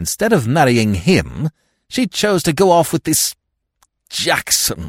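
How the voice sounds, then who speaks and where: A man's shaky, put-on character voice, fairly high-pitched, at a fairly slow pace with very wide pitch swings. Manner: scornful.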